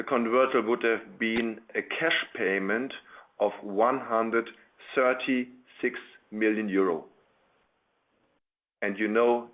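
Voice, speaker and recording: A man with a fairly low voice speaks as a company executive on an investor conference call. He answers in a halting way, often going back to rephrase what he has just said. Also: a bit bright, poor audio.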